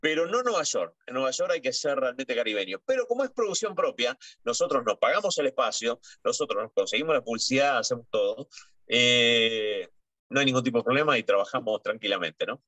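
Middle-aged Argentine man, Rioplatense accent, rambling guest in conversation, dry close sound, mid pitch. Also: expressive, brisk, a bit bright, no room sound. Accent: Rioplatense Spanish. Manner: chatty, repeats words while searching. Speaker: guest journalist. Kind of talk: conversational interview.

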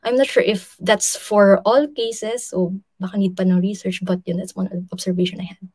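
A woman's voice: mid-range voice, steady tone, moderate pace, a little mellow, husky, no room sound. A young woman with a Filipino accent answering questions on a video call, switching between English and Filipino with many fillers. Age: young adult. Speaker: guest speaker, literary translator. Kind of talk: casual lecture Q&A over video call. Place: indoors, virtual city background. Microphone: video call, earphones.

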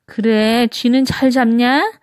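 A woman voicing a gruff old country grandmother in a storybook, blunt and scolding. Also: fairly high pitch, steady tone, slow, no room sound, studio quality. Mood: gruff, questioning. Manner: blunt, scolding, rustic wording.

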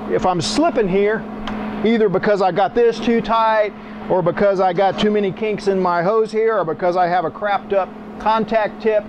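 A man's voice: sits high, noisy background. A middle-aged man giving a hands-on welding tutorial in a small workshop, blunt and folksy, working the machine as he talks. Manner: demonstrating at the machine while talking. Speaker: welding instructor.

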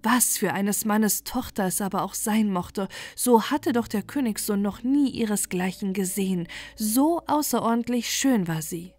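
Calm woman reading a bedtime fairy tale. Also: medium pitch, normal speed, few pauses. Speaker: storyteller.

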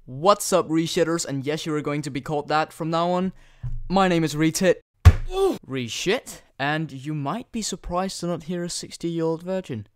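A Danish teenage gaming YouTuber puts on a British accent for a casual screen-recording tutorial, rambling and cracking crude jokes while using a new desktop microphone. His fairly high voice is a bit bright and smooth, at normal speed, with faint music behind.

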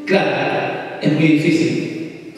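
A man, preaching a sermon as an earnest, vivid storyteller with dramatic pauses. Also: fairly high pitch. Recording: echoey hall, distant mic, soft music.

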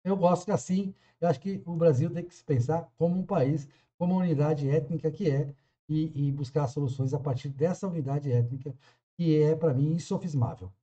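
A man in his forties with a southern Brazilian accent, arguing in a measured, firm way on a video call. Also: fairly high pitch, warm tone. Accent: southern Brazilian Portuguese. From Caxias do Sul, southern Brazil. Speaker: channel host. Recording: dull lo-fi call audio.

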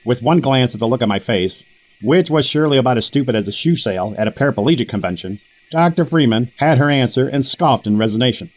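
A man's voice: medium pitch, animated, fast talker, natural voice, poor audio. Man playing a dry, wry narrator. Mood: wry, baffled. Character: wry, put-upon male boss narrating his story. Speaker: narrator and character. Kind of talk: first-person audio drama narration and dialogue.

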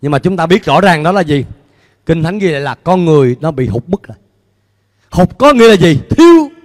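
High-voiced preaching man, lively. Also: fairly quick. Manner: animated preaching, questions to the congregation, gestures with free hand. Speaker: pastor. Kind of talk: sermon. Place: church stage before a large screen, indoors. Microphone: handheld mic. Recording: long hall reverb in a large church.

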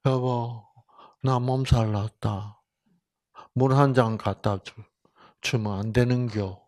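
A man voicing a worn-out, sick wife who asks her husband for help in a soft, pleading way. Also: medium pitch, steady tone, slow pace, natural voice.

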